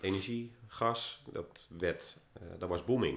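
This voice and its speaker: Using ordinary pitch variation, a man talks at a medium pitch. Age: 40s. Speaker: bakery owner. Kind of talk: casual interview. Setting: room above a bakery shop.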